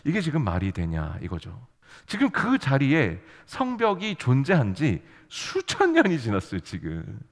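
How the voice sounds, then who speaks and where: A man's voice: mid-range voice, wildly swooping pitch, measured pace. A man preaching a sermon as youth pastor, playful and storytelling, full of rhetorical questions to the congregation. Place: church sanctuary. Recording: long hall reverb.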